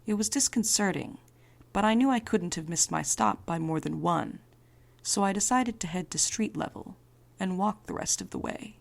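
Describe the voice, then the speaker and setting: A woman playing a wry, defiant night courier in an audio drama, with a dry, deadpan manner. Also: medium pitch, moderate pace, creaky. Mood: measured, uneasy. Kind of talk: audio drama acting and narration.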